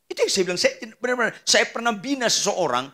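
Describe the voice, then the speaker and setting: Joking, teasing male pastor with a bright voice. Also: high voice, sing-song, quick pace. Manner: joking, teasing, questions the crowd. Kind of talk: sermon. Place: church.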